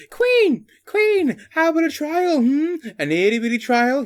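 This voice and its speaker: A put-on, squeaky character voice, high in pitch with very wide swings, at a moderate pace. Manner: pleading, eager.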